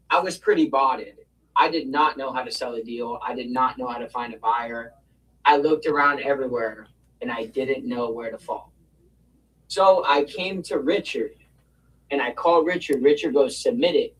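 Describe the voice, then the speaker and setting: A man's voice: mid-range voice, distant mic, poor audio. Man telling a story, set back from the mic. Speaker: guest, real estate investor.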